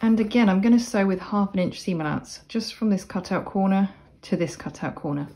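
A woman explaining sewing steps in a casual, chatty tutorial voice-over, with relaxed asides. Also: medium pitch, brisk. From Cornwall, England. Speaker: sewing instructor. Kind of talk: casual step-by-step tutorial narration.

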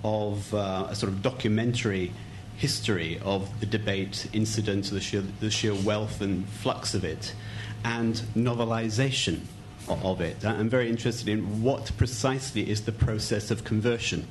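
A man in an audience asks a question into a handheld microphone, stopping and repeating words. His voice sits a little low, with faint room ambience behind. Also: normal speed, a little hiss or hum. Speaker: audience member asking a question. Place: bookshop event audience. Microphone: handheld mic.

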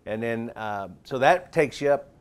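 A man's voice: medium pitch, animated, normal speed. A middle-aged man talking in a chatty, promotional way in a TV studio interview, gesturing as he speaks, on a lapel mic. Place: TV studio set.

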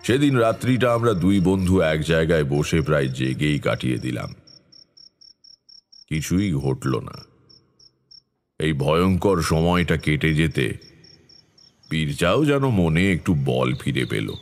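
An actor playing a grave tantric storyteller, narrating a horror tale in a measured, ominous way. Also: male voice, a bass voice, very animated, a little hiss or hum, heavily acted. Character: grave, foreboding tantric storyteller recalling eerie past. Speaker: first-person narrator. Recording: music behind the voice.

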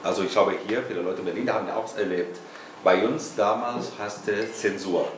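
An older man from Spain with a Spanish accent, asking a halting audience question at a panel discussion, searching for words as he goes. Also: lowish voice, fairly even intonation. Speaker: audience member. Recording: echoey room, voice from far off, noisy.

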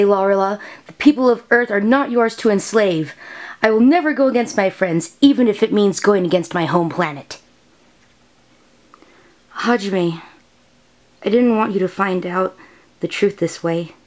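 An earnest young anime heroine, acted out by a woman. She speaks dramatically, protective and anguished, at a middling pitch. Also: a little mellow, lightly acted. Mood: defiant, then remorseful. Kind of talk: dramatic anime-style voice demo.

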